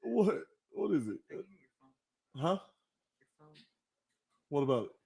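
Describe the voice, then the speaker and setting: A man hosting a casual interview over a call, playful and quick to laugh. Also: fairly high pitch, very animated, vocal fry, a little mellow, husky, dry recording. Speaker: podcast host.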